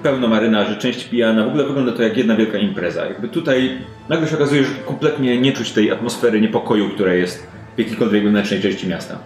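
Low-voiced man narrating in an echoey room. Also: fast talker, soft background music. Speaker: game master. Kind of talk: improvised tabletop RPG narration. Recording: roomy, echoey indoor recording.

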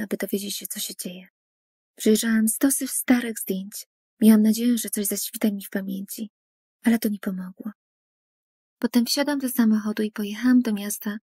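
Female storyteller with a husky, mellow voice for an animated first-person story, earnest, dry studio read. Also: mid-range voice, normal speed, no echo. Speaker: narrator.

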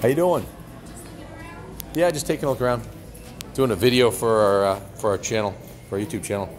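This older man's voice is medium in pitch and a little fast, with soft music in the background. He's a vlogger touring an indoor restaurant and bar on a handheld phone, casually chatting as he points out what he sees.

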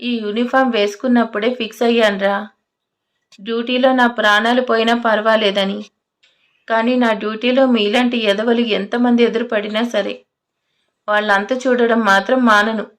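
A woman voicing a furious, fearless male police officer who shouts threats. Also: fairly high pitch, steady tone, moderate pace, lightly acted.

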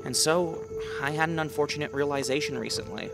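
A woman's voice: low voice, a little fast, gravelly. A woman voicing an anxious, self-deprecating writer and hopeless romantic in a comic dub, with a dramatic, self-pitying manner. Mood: gloomy, wistful. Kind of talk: comic dub voice acting with inner monologue. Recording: music bed under the voice.

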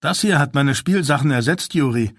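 A man's voice: medium pitch, animated, moderate pace, fairly bright tone, dry recording, clean studio sound, voice pushed up. Proud teenage boy soldier, as a man puts him on. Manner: proud, earnest. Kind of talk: audiobook character voice.

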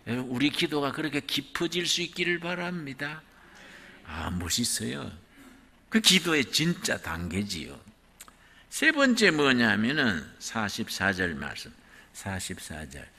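A man preaching a sermon in a church, animated and dramatic, swinging his pitch widely as he acts out prayers. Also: unhurried, husky. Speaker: pastor. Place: church sanctuary. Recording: long hall reverb.

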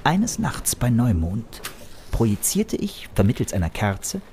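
A man's voice: mid-range voice, huge pitch swings, measured pace, darkish tone, a little hiss or hum. A man narrating a scripted first-person adventure in a grandiose, ornate storytelling manner. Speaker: narrator and hero of an audio play.

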